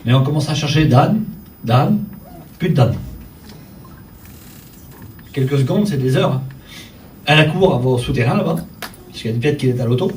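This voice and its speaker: A man's voice: mid-range voice, animated, normal speed, long pauses, a little hiss or hum. A middle-aged man preaching a sermon, telling a personal story to the congregation and speaking to them directly, in a church. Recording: echoey church from far off. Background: faint ambience, congregation saying amen.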